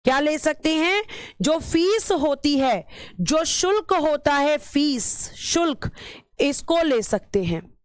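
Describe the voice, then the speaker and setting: High-voiced woman teaching an exam class. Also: animated, slow pace, no echo, clean studio sound. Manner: repeats key terms, asks and answers own questions; addresses students as beta. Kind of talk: exam-prep lecture.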